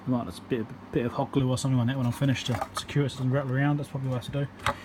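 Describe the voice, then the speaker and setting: A man's voice: mid-range voice, level tone, rapid-fire, noisy background. A man with a New Zealand accent giving a casual, unscripted, matter-of-fact walkthrough as he works at an indoor bench. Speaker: electronics repairer presenting his work. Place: indoor workbench.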